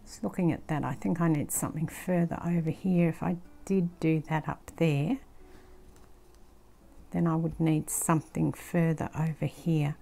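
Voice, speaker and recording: An older woman with an Australian accent, casually thinking aloud as she works on a craft project, sometimes dropping into a soft near-whisper. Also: low voice, steady tone, normal speed, gravelly. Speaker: craft channel host. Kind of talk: casual craft-along commentary. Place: indoor craft table, filmed from overhead.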